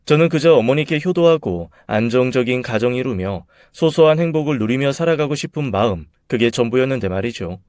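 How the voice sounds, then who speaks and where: Guy narrating his story, bitter and measured, mid pitch, dry close mic. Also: lively intonation, a little mellow, no room sound.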